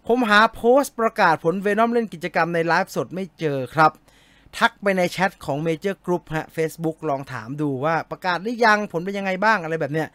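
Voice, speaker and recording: Chatty high-voiced male movie show host. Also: normal speed, pushed and bright, dry recording. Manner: chatty, jokey, polite particles. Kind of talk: casual live-stream chat reading viewer comments.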